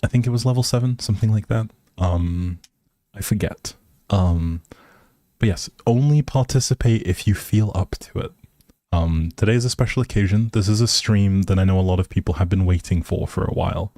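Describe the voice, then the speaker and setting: Mellow, low-voiced man chatting on stream. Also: normal speed, dry recording, studio quality. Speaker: live streamer, host. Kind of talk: casual livestream chat with viewers.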